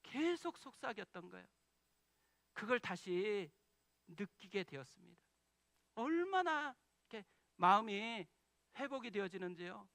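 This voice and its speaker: A man's voice: sits high, very animated, a little slow, creaky, long pauses, pushed and bright, no room sound. A man preaching a sermon as pastor, telling a personal story with heartfelt emotion.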